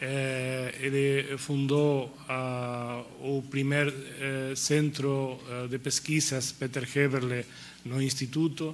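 A man with a Spanish accent at a medium pitch, monotone and flat in intonation, at a very slow pace over light background noise. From Spain. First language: Spanish (speaking Portuguese). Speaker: law professor. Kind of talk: conference lecture. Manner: halting, many hesitations. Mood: warm, grateful. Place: hall. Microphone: podium.

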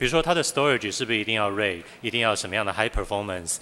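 Bright and sharp in tone, a man's voice moves through very wide pitch swings. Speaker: engineering department head; conference speaker. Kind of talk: audience Q&A answer. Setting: stage with audience. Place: hall. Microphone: podium.

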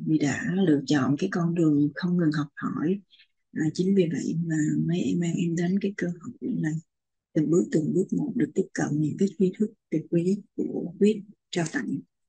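A woman at a fairly low pitch, somewhat breathy, with a dark, mellow tone, lively intonation and a moderate pace, against a quiet background. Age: 40s. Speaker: skills trainer and career educator. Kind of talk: application video testimony; application video speech. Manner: formal; halting. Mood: earnest, grateful, polite. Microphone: webcam.

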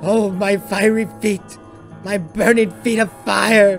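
A man speaks in a put-on character voice, pitched high for a man, at a fairly slow pace. Clear music plays in the background. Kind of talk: horror story reading. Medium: read story.

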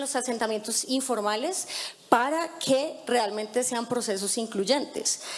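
A woman is talking here. Her tempo is moderate. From Colombia, Bogotá. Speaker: panel moderator. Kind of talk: panel moderation. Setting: stage with audience. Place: hall. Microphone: handheld.

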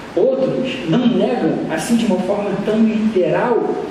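A man with a Brazilian accent at a fairly slow pace, with strong room echo and light background noise. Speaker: preacher. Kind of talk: sermon. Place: church. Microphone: camera far.

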